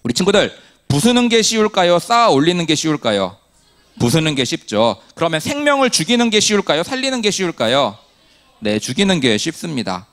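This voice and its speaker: A man's voice: a little high, fairly bright tone. A male pastor giving a sermon, asking the congregation questions and answering them himself, with humorous storytelling.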